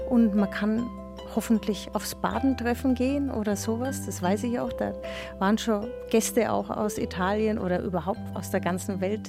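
A woman talks in a relaxed, casual way in an interview. Her voice sits at an ordinary pitch. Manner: casual, easygoing.

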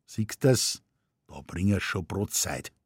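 A man reading aloud plays a gruff, laconic Munich husband in broad Bavarian dialect. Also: low-pitched, animated, slow pace, no room sound, studio quality, exaggerated voice.

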